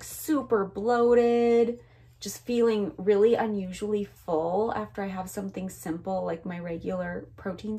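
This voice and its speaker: A raspy-voiced woman in her thirties talks to her camera at home, easygoing and chatty. Her pitch sits in the usual middle range for a woman, and she drifts through thoughts with relaxed fillers. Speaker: vlogger. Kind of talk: casual vlog chat to camera. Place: home rooms and outdoors at a cemetery.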